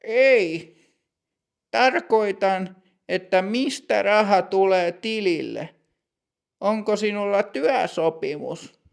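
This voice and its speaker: A man's voice: high voice, gravelly, smooth, pitched above the performer's own voice. Man putting on a strict older woman bank clerk. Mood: stern. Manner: slow, precise, formal.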